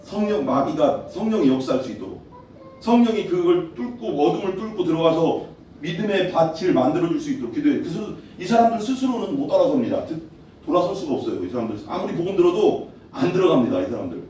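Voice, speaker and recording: A man's voice: fairly high pitch, sing-song, fast talker, mellow, slight background noise. A man preaching a sermon as pastor, talking conversationally and putting questions to his congregation. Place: church hall. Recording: echoey hall, voice from far off.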